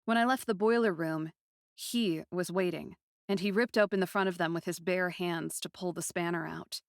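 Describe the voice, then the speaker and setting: A woman's voice: lowish voice, fairly even intonation, moderate pace, vocal fry, no room sound. Emotive young princess played by a woman, dry recording. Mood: wistful, tense. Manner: intense, emotive. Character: grieving, passionate young captive princess narrating her story. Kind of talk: dramatic first-person storytelling, fan-fiction podcast.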